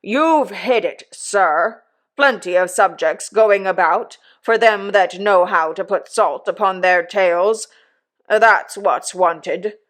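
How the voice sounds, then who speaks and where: A woman voicing a pompous, self-satisfied older uncle who lectures slowly and emphatically. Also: mid-range voice, natural voice. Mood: pompous lecturing.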